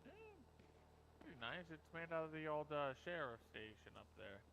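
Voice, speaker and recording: A man's voice: on the high side, animated, moderate pace, creaky, a bit bright, slight background noise. A man chatting casually in character as a survivor in an online roleplay game. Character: Alex, helpful scavenging survivor in zombie roleplay.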